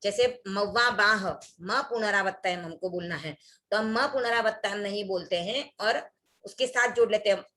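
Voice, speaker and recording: A woman's voice: mid-range voice, moderate pace, sharp tone. A woman teaching an online religious workshop, explaining recitation mistakes and reciting scripture passages as examples.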